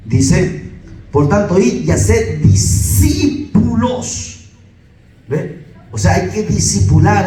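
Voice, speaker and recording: A man's voice: a little high, mellow, recorded from a distance. Echoey preaching Peruvian man, rhetorical questions. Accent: Peruvian Spanish. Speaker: pastor. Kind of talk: preaching to a congregation.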